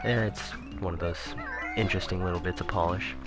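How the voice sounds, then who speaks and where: A man commentating casually on a video game he is playing, rambling and correcting himself, his voice turning raspy. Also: low voice, fairly even intonation, a little fast. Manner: rambling, self-correcting, chuckling asides. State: voice getting raspy. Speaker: let's play commentator. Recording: game music playing behind.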